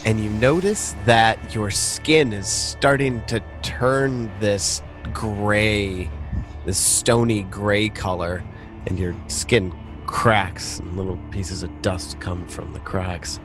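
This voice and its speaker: Low-pitched man running a tabletop game. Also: steady tone, slow pace, music in the background. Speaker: game master.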